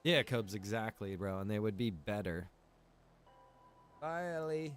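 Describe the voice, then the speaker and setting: A man's voice: fairly low pitch, animated, a little slow, slight background noise. A man chatting casually while streaming a game, informal and slangy, with some swearing. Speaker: streamer and game server developer.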